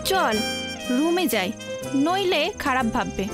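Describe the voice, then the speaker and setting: An anxious, scolding young woman in a film drama. Her high voice leaps around as she protests. Faint soundtrack music sits behind her. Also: big pitch swings, takes it slowly, exaggerated voice. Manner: protesting, sharp. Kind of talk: Bengali film melodrama acting.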